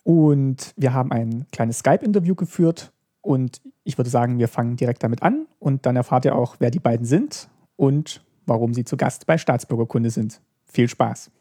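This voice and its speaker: A man's voice: medium pitch, moderate pace, dark tone, breathy edge, dry recording, clean studio sound. A man hosting a podcast interview, politely and somewhat hesitantly moderating his guests. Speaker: podcast host.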